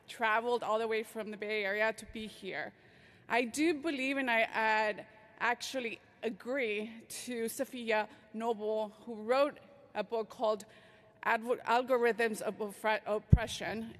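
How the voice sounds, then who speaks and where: A woman's voice: on the high side, fairly bright tone. A woman from Mexico giving an invited conference talk, speaking with frequent fillers and false starts. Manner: hesitant, many fillers and restarts. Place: large conference hall. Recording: echoey large hall.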